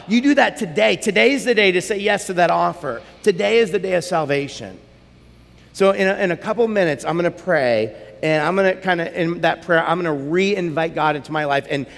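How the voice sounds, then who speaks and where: Middle-aged pastor preaching in a reverberant hall. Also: male voice, a little high. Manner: earnest, repeats words, rises to urgent emphasis. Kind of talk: sermon. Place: large church stage with a band. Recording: long hall reverb with soft guitar.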